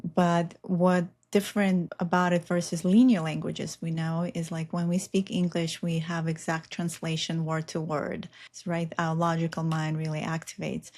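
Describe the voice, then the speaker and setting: Russian-native woman, low earnest voice. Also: a little mellow. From Belarus. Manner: earnest, meandering, many fillers. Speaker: spiritual guest. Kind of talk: casual interview talk.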